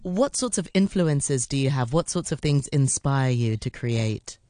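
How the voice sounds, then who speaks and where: A woman's voice: a bass voice, expressive, unhurried, dark tone, no room sound, clean studio sound. A woman hosting a radio interview, asking questions in a friendly, slightly rambling way. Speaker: radio host. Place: Hong Kong radio studio.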